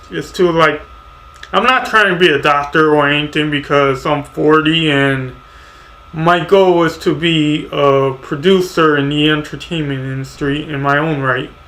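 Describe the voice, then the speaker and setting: A man talks at a moderate pace in a fairly high pitch, with ordinary pitch variation. Room echo is audible and background noise is noticeable. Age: 40s. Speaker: vlogger. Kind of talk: casual monologue vlog. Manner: halting.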